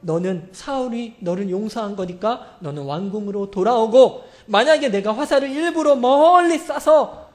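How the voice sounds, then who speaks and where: A pastor acting out the lines of a grieving young prince who loudly calls a warning to his friend. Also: medium pitch, lively intonation, normal speed, natural voice. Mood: sorrowful calling. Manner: calling out loudly.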